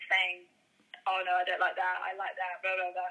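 A woman with a southern English accent, her pitch medium. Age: 20s. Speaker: worship leader and singer. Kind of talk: casual interview chat.

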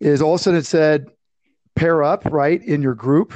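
In an American accent, a man talks at a moderate pace with a fairly high pitch and fairly even intonation. The background is quiet. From Colorado. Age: 50s. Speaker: former game contestant. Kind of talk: casual chat.

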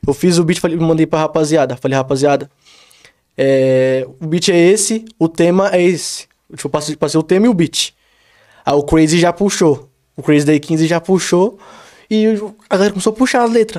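A high-pitched man at a moderate pace, with ordinary pitch variation, very even loudness and long, frequent pauses. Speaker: beatmaker and music producer. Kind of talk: casual chat.

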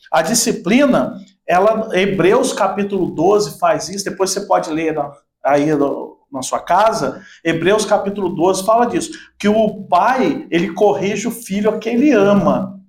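Amid audible room echo, a man with a high pitch and ordinary pitch variation speaks at a fairly slow pace. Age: 50s. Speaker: pastor. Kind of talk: religious talk show. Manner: halting, with repeated words.

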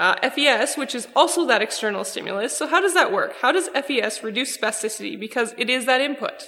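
A woman's high, raised and projected voice at a very fast pace, ordinary pitch variation, noticeable background noise behind it. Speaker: podcast co-host. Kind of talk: interview.

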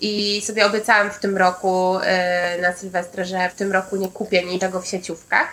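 Speaking at a medium pitch, a woman keeps to a moderate pace. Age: 20s. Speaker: podcast host. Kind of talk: casual chat.

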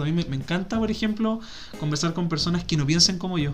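A man's high voice at a very fast pace, ordinary in pitch variation, over noticeable background noise. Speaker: podcast host. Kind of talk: casual chat.

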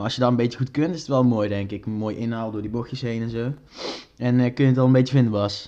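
Speaking at a very fast pace, a man has a dark, mellow tone, medium pitch and fairly even intonation. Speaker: podcast guest. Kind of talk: casual chat. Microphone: far from the mic, too quiet.

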